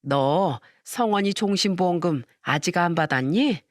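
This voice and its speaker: A woman voicing a greedy, scheming middle-aged mother-in-law who speaks slowly and coaxingly, close and dry. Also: fairly low pitch, animated, no room sound. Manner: slow, coaxing, self-pitying.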